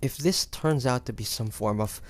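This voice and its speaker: A man playing a wary, stubborn young demon hunter in an intimate audio roleplay, speaking in a hesitant, grudging, halting way. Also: mid-range voice, no room sound, lightly acted. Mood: distrustful, warning. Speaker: voice actor. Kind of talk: intimate audio roleplay acting, addressing the listener.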